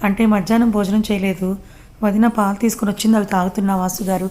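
A woman voicing an anxious young woman in love, in a soft, plain reading voice. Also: mid-range voice, flat delivery, racing, close to an everyday voice. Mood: calm.

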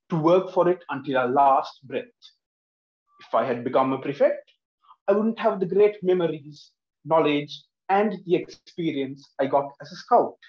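A young man from Sri Lanka delivers a prepared speech with earnest emphasis, his voice sitting a little high. He is captured from across a room that echoes, and the sound is dull and lo-fi. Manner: earnest and emphatic, gesturing with both hands. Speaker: speech contestant. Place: living room at home. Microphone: laptop camera across the room, headphones on.

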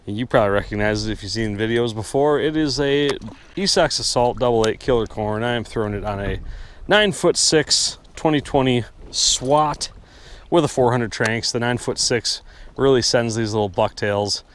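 A man's voice: medium pitch, moderate pace, a little hiss or hum. A man hosting his fishing channel, talking casually and cheerfully to the camera from a boat on a lake, with plenty of ums and uhs. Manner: upbeat, joking, with frequent fillers. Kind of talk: casual vlog talk to camera.

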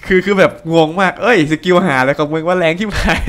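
A young man giving casual, excitable gameplay commentary and teasing his co-player. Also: high-pitched, fast, clear, resonant tone. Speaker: game commentator. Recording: faint background noise.

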